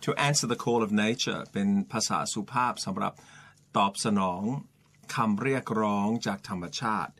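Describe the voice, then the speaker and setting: Slightly hoarse man teaching on radio. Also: lowish voice, a little slow, a bit bright. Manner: teacherly, explains words patiently, mixes English and Thai. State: slightly hoarse throat, coughing. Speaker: radio English-teaching co-host. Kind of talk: casual bilingual radio chat. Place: radio studio.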